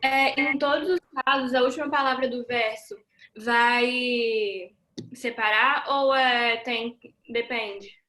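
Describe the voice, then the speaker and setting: A woman's voice: fairly high pitch, steady tone, slow pace, bright, forceful tone. A female student on a video call asking hesitant questions in class. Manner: hesitant, searching for words. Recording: echoey room.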